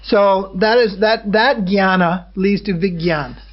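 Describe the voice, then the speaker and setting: A man, a swami, giving a measured spiritual lecture, often pausing to check on his listeners with a questioning "hmm?". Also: high voice. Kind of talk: religious lecture. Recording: dull lo-fi recording.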